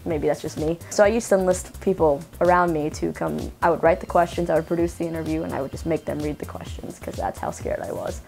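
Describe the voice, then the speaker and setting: A woman in her thirties hosting an interview channel, narrating in a chatty, self-deprecating way with a low, slightly mannish voice. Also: fast talker, vocal fry, few pauses, darkish tone, faint music behind. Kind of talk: casual video narration.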